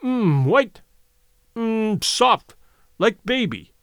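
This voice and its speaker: A man's voice: high voice, very animated, drawn-out words, fairly bright tone, no room sound, studio quality, pitched above the performer's own voice, full character voice. A man reading an audiobook, voicing a fierce young Native woman who speaks blunt, broken English. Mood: slow, blunt.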